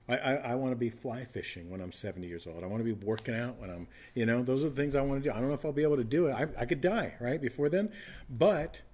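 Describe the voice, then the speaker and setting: A man's voice: mid-range voice, expressive, fast talker, a little mellow. A man in his fifties preaching a casual, conversational sermon, often restarting and repeating words. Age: 50s. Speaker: pastor.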